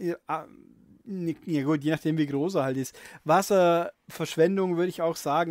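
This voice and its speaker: In a Swabian accent, a man with a fairly high pitch speaks at a moderate pace with fairly even intonation, the sound dry and close with no echo in a very clean recording against a silent background. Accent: Augsburg Swabian dialect. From Augsburg area, Bavarian Swabia, Germany. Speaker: gaming podcaster. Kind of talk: solo casual chat. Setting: home recording in own room.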